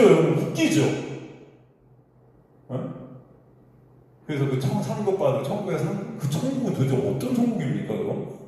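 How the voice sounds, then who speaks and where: A man's voice: fairly high pitch, a little mellow. A male pastor preaching a sermon, blunt and mocking, firing rhetorical questions at his congregation. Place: basement church hall. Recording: echoey hall, voice from far off.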